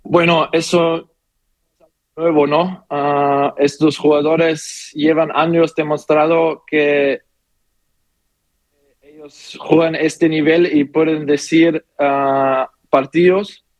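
Slow, halting man. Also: on the high side, flat delivery, no room sound, poor audio. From Austria. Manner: halting non-native speech, many pauses and fillers. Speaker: footballer guest. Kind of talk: phone interview answers.

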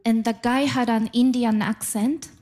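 A woman from Japan with a noticeable Japanese accent performs stand-up before a live crowd, unhurried and deliberate in her delivery. Her voice sits a little high, and she teases the audience in a playful way. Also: fairly even intonation, a little mellow. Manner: playful, crowd work with laughs. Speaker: stand-up comedian. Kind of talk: stand-up set. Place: live comedy venue with audience.

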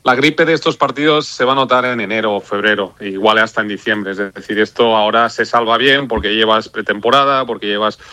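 A man's voice: on the low side, steady tone, fairly quick, hardly any pauses, bright, forceful tone, dry recording. A man on a sports radio panel, confident and firm in his predictions.

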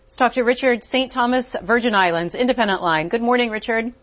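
A woman hosting a call-in program, briskly passing questions to guests and bringing in callers. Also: fairly high pitch, fairly bright tone, lo-fi sound. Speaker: host. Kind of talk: call-in radio moderation.

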